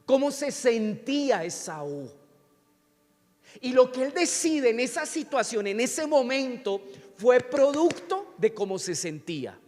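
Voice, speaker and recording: A man's voice: very high voice, very animated, takes it slowly, a little mellow. A man, preaching a sermon in church and often asking the congregation questions. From Colombia. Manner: teaching with frequent questions to the congregation. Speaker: pastor. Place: church sanctuary. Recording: church hall reverb with faint music.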